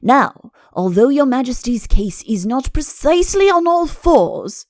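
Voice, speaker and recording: A woman's voice: high-pitched, big pitch swings, a little slow, a little mellow, no room sound, clean studio sound, pitched above the performer's own voice. A woman voicing an obsequious, cautious, long-winded male chancellor in a comic audiobook, pleading and deferential. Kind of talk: audiobook comic character acting.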